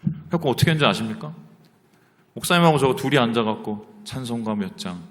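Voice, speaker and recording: A male pastor giving a Sunday sermon in a church sanctuary, telling stories animatedly and moving between hushed and loud passages. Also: mid-range voice, expressive, a little fast. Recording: long church reverb.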